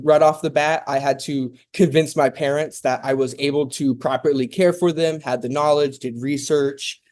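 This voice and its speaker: Rambling, slightly high-voiced male guest. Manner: relaxed and rambling, with many "um"s and "and stuff". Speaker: guest, zoo founder. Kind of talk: casual interview talk.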